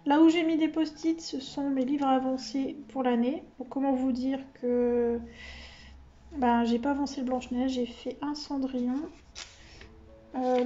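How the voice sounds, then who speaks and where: A woman's voice: high voice, dark tone, muffled recording, a little hiss or hum. A woman vlogging in a casual, rambling way, often breaking off and laughing at herself. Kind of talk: casual chatty vlog talk.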